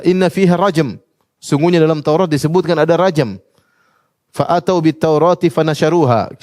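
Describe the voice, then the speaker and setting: A male preacher in a mid-pitched voice gives a religious lecture. He recites Arabic passages and translates each one, often asking his listeners a question and answering it himself. The sound is dry and close, with little room echo. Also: a little mellow. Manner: quotes Arabic passages then translates them, asks the audience questions. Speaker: Islamic preacher.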